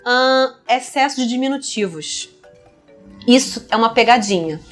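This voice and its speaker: Animated Brazilian woman explaining. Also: on the high side, a little slow, faint music behind. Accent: Brazilian Portuguese. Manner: explanatory, lively, acts out parents and toddlers. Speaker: speech therapist guest. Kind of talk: conversational podcast interview.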